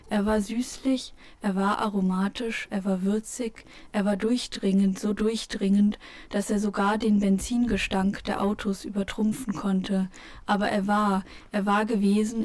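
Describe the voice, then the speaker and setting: A woman giving a measured, contemplative literary narration for an audio play. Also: medium pitch, mellow, no room sound. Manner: measured, contemplative, with lingering repetitions.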